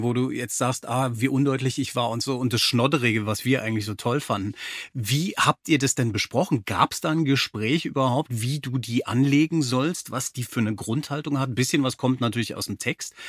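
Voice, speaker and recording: A man's voice: mid-range voice, fairly bright tone, dry recording. Dry, close-sounding man hosting casually. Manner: appreciative, encouraging. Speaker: podcast host. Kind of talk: casual interview chat.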